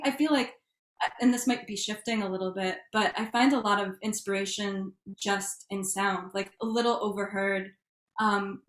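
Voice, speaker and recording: A woman's mid-pitched voice rings with room echo as she speaks on a panel. Her manner is reflective, feeling her way through ideas. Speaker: panelist, writer. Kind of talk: panel discussion. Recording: echoey room sound.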